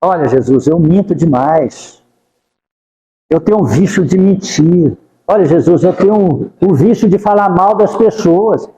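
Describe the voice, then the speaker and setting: A man's voice: sits high, a little slow, dark tone, roomy sound, big-room sound, poor audio. A man giving a devotional talk at a spiritist center, speaking fervent, pleading prayers and repeating the name of Jesus. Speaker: spiritist lecturer.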